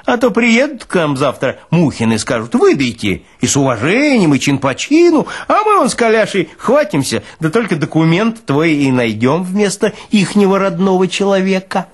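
Man voicing a burly, needling morgue orderly, animated. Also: high-pitched, normal speed, hardly any pauses, husky, voice pushed up, exaggerated voice. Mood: needling, insistent. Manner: colloquial, mocking, folksy philosophizing. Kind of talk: dramatized audiobook character reading.

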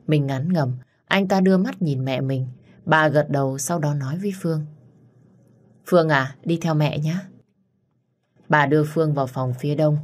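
A woman with a notably low voice telling a dramatic tale. She reads at a steady, measured pace. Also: breathy edge. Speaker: storyteller. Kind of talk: story narration.

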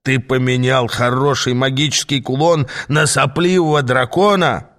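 Casting: man reading as a short-tempered demon mentor, gruff and barking, bossy, storybook audiobook. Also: medium pitch, fairly even intonation, normal speed, fairly bright tone, close to an everyday voice.

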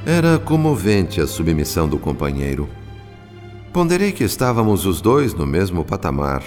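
A very deep, unhurried spirit narrator with a Brazilian Portuguese accent, telling the story in a measured, solemn radio drama delivery. His voice rings with a long reverb, and music plays clearly beneath him. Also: a little mellow. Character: calm discarnate spirit doctor narrating.

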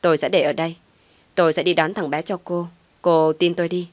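A woman voicing a kind, steady young man who speaks calmly and reassuringly. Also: on the low side, brisk, dry recording, natural voice. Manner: calm reassuring, a little teasing.

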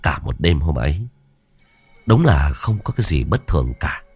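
A man's voice: a bass voice, very animated, moderate pace, a little mellow, husky, soft background music. A man narrating a ghost story in a vivid, colloquial way.

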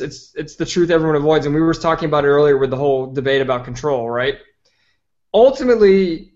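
High-voiced opinionated man, rambling. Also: a little mellow. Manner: opinionated, talks at length with many "like"s. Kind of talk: casual chat. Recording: slightly dull lo-fi audio.

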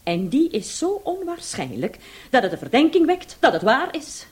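Female police chief, radio drama, dry and authoritative, very lively intonation, self-assured. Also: high voice, moderate pace. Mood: wry, intrigued. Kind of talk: radio play acting.

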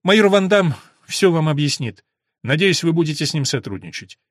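A man's voice: a little high, animated, moderate pace, no room sound, studio quality. A man voicing an earnest young recruiter. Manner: earnest, persuasive.

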